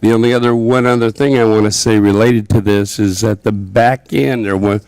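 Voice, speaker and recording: A man's voice: on the low side, fairly even intonation, normal speed, darkish tone, clean tone, no echo. Casual man chairing a meeting. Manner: casual and brief.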